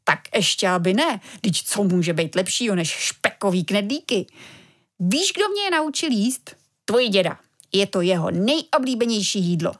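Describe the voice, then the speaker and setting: A woman's voice: medium pitch, sing-song. A woman voicing a boisterous father who loves his dumplings, in a children's storybook reading. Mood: hearty. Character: excitable dumpling-loving father, grown man.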